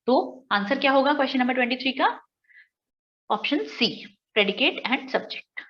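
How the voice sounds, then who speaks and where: A woman's voice: high voice, lively intonation, measured pace, highs cut off. Indian woman teaching, rhetorical questions. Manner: explains step by step with everyday examples and rhetorical questions. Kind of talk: exam-prep lecture mixing Hindi and English.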